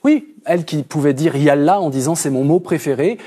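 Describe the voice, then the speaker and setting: A man's voice: fairly high pitch, brisk, warm tone, breathy edge. A man, a philosopher invited as a guest, answering questions in a television studio in an earnest, hesitant way with many fillers and restarts. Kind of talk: studio TV interview. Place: TV news studio.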